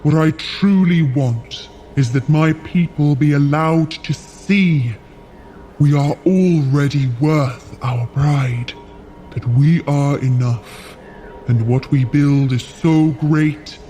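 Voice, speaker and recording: A solemn frost giant in a fantasy audio drama. The voice is unhurried and mellow, with the grave, weary idealism of a shaman's son telling an old story. Faint music sits behind it. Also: fairly high pitch. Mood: earnest, resolute. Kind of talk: scripted audio drama acting.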